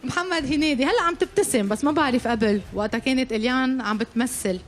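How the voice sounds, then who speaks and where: Quick high-voiced Lebanese woman hosting. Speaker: talent show host. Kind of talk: show presenting. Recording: music and crowd behind.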